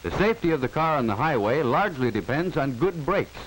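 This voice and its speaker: A man's voice: medium pitch, a little fast, low-quality recording. An American man reading scripted 1940s educational film narration in a formal, instructive manner, on an old film soundtrack. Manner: formal, instructive, clearly enunciated. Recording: hissy 1940 film soundtrack. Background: steady hiss.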